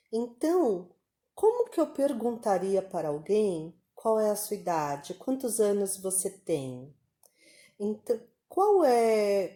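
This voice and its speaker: A woman's voice: medium pitch, mellow. A woman with a Brazilian Portuguese accent teaching an online English lesson, explaining patiently and drawing out her example phrases. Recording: roomy echo.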